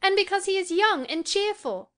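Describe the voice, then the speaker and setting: A woman's voice: very high-pitched, animated, moderate pace, fairly bright tone, pitched above the performer's own voice. A woman voicing a peevish, anxious young lady in an audiobook, impulsive and emphatic in her pleading. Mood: defiant, insistent. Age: young adult. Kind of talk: audiobook character acting.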